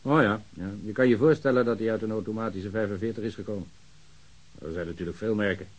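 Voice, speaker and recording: A man's voice: lowish voice, fast, close to an everyday voice. A man playing an overworked, sardonic police ballistics technician who grumbles and complains in a radio drama. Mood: dry, sardonic.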